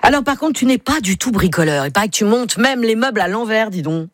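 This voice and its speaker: A woman's voice: fairly high pitch, expressive, no echo. An older woman hosting a radio quiz game, teasing contestants and joking about her own age. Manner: teasing, quick, self-mocking. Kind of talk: playful radio quiz chat.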